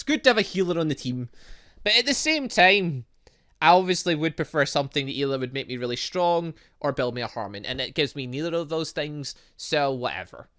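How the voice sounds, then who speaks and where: A man commentating on a game as its host, excitable and rambling, thinking aloud with frequent asides and exclamations. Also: medium pitch, no echo, studio quality. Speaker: gaming channel host. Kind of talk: let's-play commentary, reading game dialogue aloud.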